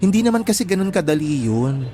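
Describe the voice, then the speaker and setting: A man's voice: sits high, sing-song, quick pace, dark tone. A man with a Filipino accent playing a campy, sassy young gay man in an audio drama, talking in theatrical casual slang. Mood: campy, guarded. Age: young adult.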